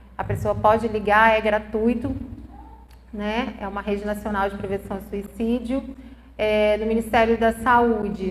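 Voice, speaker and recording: There is audible room echo as a woman with a fairly high pitch speaks at a moderate pace in a monotone, flat intonation. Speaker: church talk speaker on suicide prevention. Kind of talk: church lecture with audience questions.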